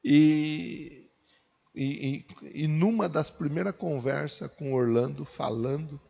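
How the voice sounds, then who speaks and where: Slow, gravelly Brazilian preacher in his forties. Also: on the high side, dark tone. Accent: Brazilian Portuguese. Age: 40s. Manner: conversational preaching with rhetorical questions. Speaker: pastor. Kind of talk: sermon. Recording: dull, echoey hall.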